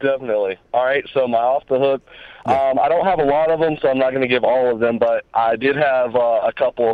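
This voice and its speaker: A man speaks at a fairly quick pace and medium pitch. His loudness is very even and his intonation fairly even. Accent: American. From North Carolina. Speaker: caller. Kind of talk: call-in chat. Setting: phone call. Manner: halting.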